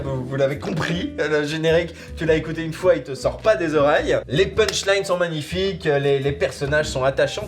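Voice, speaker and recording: A man hosting a casual online review, chatty, with plenty of fillers and offhand swearing. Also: fairly high pitch. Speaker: host reviewing audio dramas.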